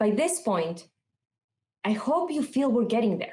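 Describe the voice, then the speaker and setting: Somewhat breathy and fairly high in pitch, a woman speaks at a fairly slow pace with very wide pitch swings. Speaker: product leader. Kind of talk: conference talk.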